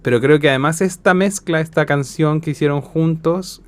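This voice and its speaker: A man's voice: fairly high pitch, moderate pace, smooth. A man with a Chilean accent, a guest musician explaining his thoughts conversationally in a radio interview.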